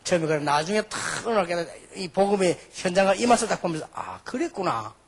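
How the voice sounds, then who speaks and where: A man's voice: high-pitched, fast, gravelly, husky. A man from Busan with a Busan accent, preaching a sermon as a pastor in a colloquial, emphatic manner with rhetorical questions. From Busan, South Korea. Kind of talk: sermon with personal anecdotes.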